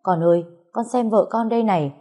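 A woman voicing a fierce older mother-in-law who scolds and laments loudly. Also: medium pitch, a little fast, natural voice. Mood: scolding.

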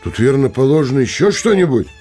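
An actor playing a lovesick, impulsive young village blacksmith in a theatrical audio drama, musing dramatically aloud to himself. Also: male voice, mid-range voice, sing-song, fast, dark tone, husky, faint music behind. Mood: brooding, self-mocking.

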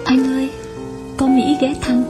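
A man's voice: very high voice, monotone, a little slow, music in the background, voice pushed up. A man reading aloud voices a wife caring for her dying husband, polite and controlled. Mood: gentle. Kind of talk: audiobook reading.

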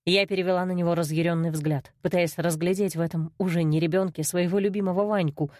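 A woman's voice: on the low side, fairly even intonation, fast talker, darkish tone, no room sound, studio quality. A woman reading a first-person novel aloud with emotional expression. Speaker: audiobook narrator. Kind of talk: first-person audiobook narration.

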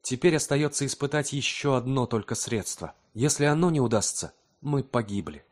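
A man's voice: mid-range voice, lively intonation, normal speed, pitched above the performer's own voice, natural voice. A man voicing an anxious, obsessive scientist husband who speaks in urgent, tense outbursts. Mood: earnest.

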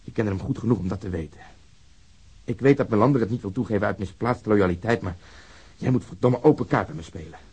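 Hard-nosed police detective, radio drama. Low, husky, blunt, emphatic and insistent. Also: male voice, quick pace, darkish tone. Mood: insistent, angry. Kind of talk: Dutch radio drama acting.

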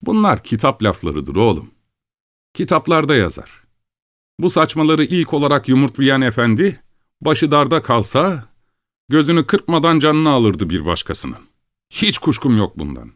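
A man voicing a hot-tempered grown male vagabond in a storybook reading, blunt and scornful, quick to threaten. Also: mid-range voice, sing-song, a bit bright, no room sound, clean studio sound, voice pushed up.

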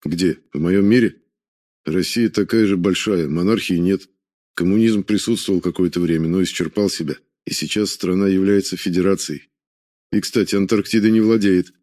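A man voicing a guarded soldier from a parallel world who answers in a measured way. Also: low-pitched, warm tone, lightly acted. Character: guarded Russian soldier from another world, male.

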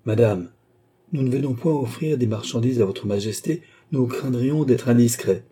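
A man with a husky, dark voice reading a grave, deferential male jeweller at court in an audiobook. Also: medium pitch, moderate pace, voice pushed up, natural voice. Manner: formal, solemn.

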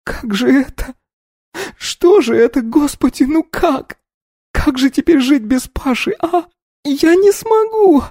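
A man's voice: very high voice, lively intonation, takes it slowly, mellow, dry recording, clean studio sound, pitched above the performer's own voice, full character voice. A man voicing a hysterical young woman in an audio story, wailing and sobbing through her grief.

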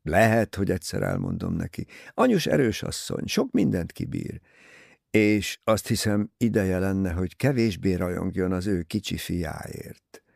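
A man voicing an impulsive, passionate young man in an audiobook, lively and self-mocking. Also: low voice, gravelly, no room sound, clean studio sound, full character voice. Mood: heated.

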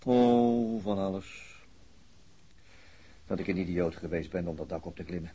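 A man's voice: low-pitched, a little slow, mellow, a little hiss or hum. An actor playing a middle-aged, wry, weary policeman and father recovering from a wound in a radio play. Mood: bitter, brooding. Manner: subdued, weary, sardonic, hesitant. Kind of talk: naturalistic radio play acting.

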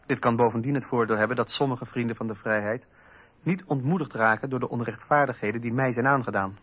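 A man's voice: mid-range voice, fairly even intonation, quick pace, husky, lightly acted. Dignified persecuted statesman, played by an actor. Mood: grave, resolved. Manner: formal, dignified, principled. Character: dignified persecuted male French philosopher-politician defending his principles. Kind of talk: radio play monologue. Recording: slightly dull radio recording.

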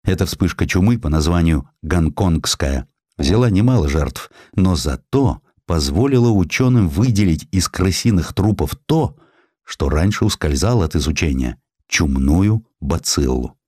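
A man reading historical prose as an audiobook narrator, in a measured, expressive, literary storytelling manner. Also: low-pitched, no room sound, clean studio sound.

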